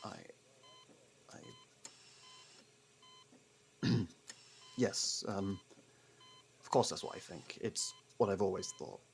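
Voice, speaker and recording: A man playing a gruff, guarded convict who hides a fondness for a detective partner, speaking hesitantly and defensively in an intimate audio roleplay. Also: low voice, measured pace, a little hiss or hum. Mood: flustered denial. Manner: defensive, hesitant, sardonic, with stammered denials.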